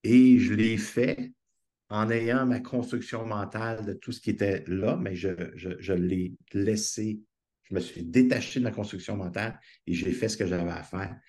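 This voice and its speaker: A man's voice: lowish voice, fairly even intonation, moderate pace, a little mellow. A man with a Québécois French accent, a guest speaker telling stories in a conversational interview, earnest and enthusiastic, on a video call.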